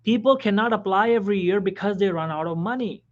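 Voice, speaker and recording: A man, a physician, giving career advice in a motivational talk, emphatic and repetitive, dropping now and then to a soft whisper. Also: high-pitched, fast. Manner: emphatic, repeats key phrases, drops suddenly to soft whispers. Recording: dull lo-fi recording.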